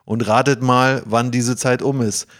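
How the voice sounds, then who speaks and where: Informal male podcast host, mid-pitched. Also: steady tone, unhurried, a bit bright. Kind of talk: casual chat, presenting to co-hosts.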